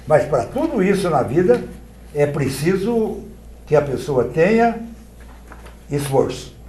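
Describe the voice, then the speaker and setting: A man from Brazil, a guest on a TV talk show, demonstrating oratory in an expressive, theatrical way. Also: on the high side, takes it slowly, echoey room, a little hiss or hum. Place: TV studio.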